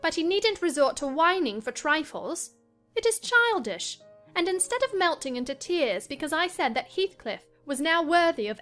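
Spoiled, excitable young lady of a classic novel, played by a woman; high voice, emphatic, music underneath. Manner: emphatic, self-assured. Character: willful, spoiled, excitable young gentlewoman, married. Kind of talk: dramatized audiobook reading of a classic novel.

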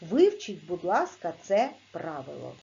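A woman teaching a video lesson to young pupils, speaking clearly and patiently and sounding out letters and syllables. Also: lowish voice, huge pitch swings, mellow, muffled recording. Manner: slow, clear, patient dictation-like instruction. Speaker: primary school teacher.

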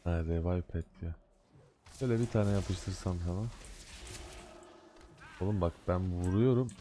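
A man's voice: sits low, a little slow, warm tone, slight background noise. A man casually commenting on his own game as he plays, chatting loosely and scolding the game in mock annoyance. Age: adult with a day job. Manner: loose slangy banter. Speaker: gaming video host. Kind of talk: casual let's-play commentary.

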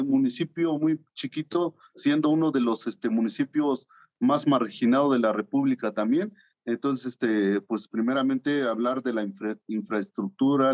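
A man's voice: mid-range voice, a little mellow, dull audio. A man in his thirties from Oaxaca, answering interview questions in a hesitant way, with many fillers, over a video call from his studio. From Oaxaca, Mexico. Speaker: guest artist. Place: home art studio.

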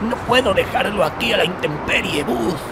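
A man playing a grave, cautioning local in an audio drama, speaking deliberately as he warns a stranger. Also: sits high, expressive. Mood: resigned, reasoning. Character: grave, slow-spoken local man warning of vampires. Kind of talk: Spanish-language audio drama acting. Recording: very loud wind and outdoor ambience behind.

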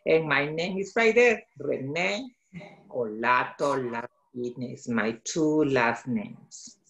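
A man's voice: mid-range voice, takes it slowly, creaky, fairly bright tone. A middle-aged man from El Salvador with a Salvadoran Spanish accent, a children's author presenting and reading aloud on a video call. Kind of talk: explaining and reading a picture book aloud. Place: small home office, indoors. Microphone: video call computer microphone. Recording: roomy, echoey video call.

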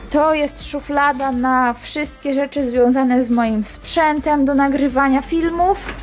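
A woman in her twenties chatting casually as she walks a camera around her small apartment, pointing things out. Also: high-pitched. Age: 20s. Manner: chatty, walking and pointing at things while talking. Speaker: vlogger. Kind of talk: casual house tour vlog. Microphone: handheld camera at arm's length.

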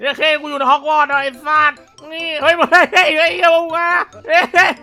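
A man hosting a gaming video, giving rowdy, profane, excited commentary with frequent shouting. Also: extremely high pitch, fairly quick, noisy background. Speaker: gaming YouTuber host.

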